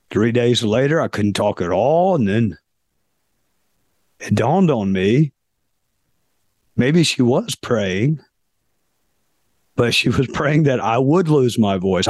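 Hoarse man hosting a podcast. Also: medium pitch, a little mellow, no room sound, clean studio sound. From South Carolina, US. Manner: deliberate, pausing often with fillers. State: hoarse, losing his voice. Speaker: podcast host. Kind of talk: reflective podcast monologue.

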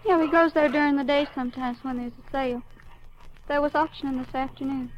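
Woman acting high-voiced, offhand country girl. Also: fairly even intonation, fast, lightly acted. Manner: folksy, offhand, rural slang. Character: young, offhand rural daughter of a watchman. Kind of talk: 1950s radio drama acting. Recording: muffled old radio, faint noise.

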